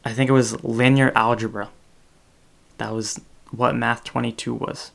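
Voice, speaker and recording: Young man rambling with a creaky voice. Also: mid-range voice, little pitch movement, unhurried. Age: 20s. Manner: rambling, many fillers and self-corrections. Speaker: podcast host. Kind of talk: casual unscripted chat on a video call. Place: small room indoors.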